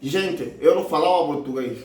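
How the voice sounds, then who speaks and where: A Cuban man tells his story in a high voice, stopping and restarting as he slides between Spanish and Portuguese. He sounds a little distant from the mic, in an echoey room. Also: darkish tone. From Cuba. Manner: halting, mixing Spanish and Portuguese, many restarts. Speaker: doctor telling his story. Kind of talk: casual storytelling.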